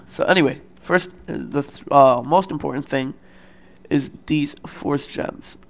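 A young man hosting a let's play, talking loosely with lots of fillers, his voice a bit raspy from the morning, at a desktop mic at home. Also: a little high, measured pace. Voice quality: loose, rambling, filler-heavy. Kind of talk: casual gameplay commentary.

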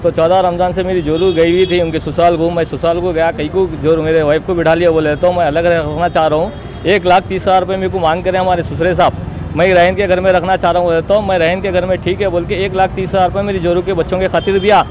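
A young man with a Hyderabadi accent giving an insistent, repetitive, self-justifying statement to reporters outdoors. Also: high voice. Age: young adult. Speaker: interviewee giving a statement to local news. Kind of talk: spoken personal testimony to reporters. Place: outdoors beside a street wall. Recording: outdoor street noise behind.

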